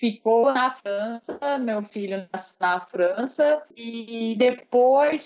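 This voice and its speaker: Speaking in a Persian accent, a woman uses a fairly high pitch with ordinary pitch variation. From Iran. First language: Persian (speaking Portuguese). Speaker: international law scholar. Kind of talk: interview. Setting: remote call from Tehran. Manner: hesitant, frequent filler sounds.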